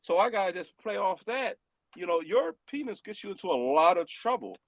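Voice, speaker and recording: A man with a fairly high voice, opinionated and animated as he talks things over on a podcast. His delivery is emphatic, climbing into exclamations when he makes a point, and the sound is dry and close with no room echo. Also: a little fast. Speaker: podcast panelist. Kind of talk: casual opinionated chat.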